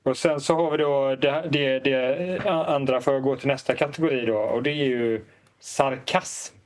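A man's voice: medium pitch, steady tone. A man hosting a podcast, playfully steering the talk through jokes and teasing. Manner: playful, teasing, leads the topics. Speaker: podcast host. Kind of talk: podcast chat.

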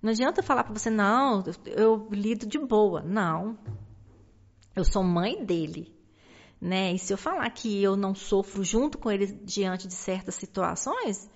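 A woman's voice: mid-range voice, animated, unhurried. Hesitant Brazilian mother sharing her story. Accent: Brazilian Portuguese. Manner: hesitant, many restarts and tag questions. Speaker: podcast guest, mother of an autistic child. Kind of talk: personal storytelling in a conversation. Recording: dull lo-fi recording.

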